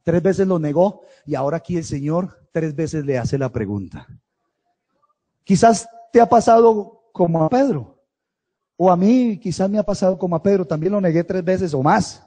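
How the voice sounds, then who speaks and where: A man preaching a sermon with passion, moving between loud cries and soft, tender passages. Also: high voice, animated, normal speed. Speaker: pastor. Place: church camp service.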